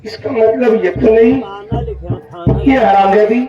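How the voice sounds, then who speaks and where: Man playing a grief-stricken husband, folk stage, declaiming lament, slow, heard from far off. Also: high voice, steady tone. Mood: anguished. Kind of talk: folk stage theatre acting. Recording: dull far-off echoey stage recording with loud music.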